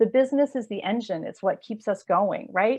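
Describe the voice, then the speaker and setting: A woman talks with a Canadian accent. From Canada. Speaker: business coach. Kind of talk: presentation. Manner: fast; animated.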